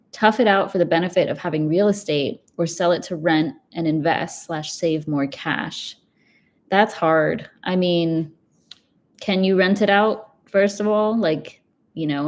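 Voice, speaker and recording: A woman's voice: low-pitched, a little mellow. A young woman hosting a casual live chat about personal finance, chatty and upbeat, with lots of "like" and easy laughs. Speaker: personal finance livestream host. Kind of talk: casual live chat answering viewer questions.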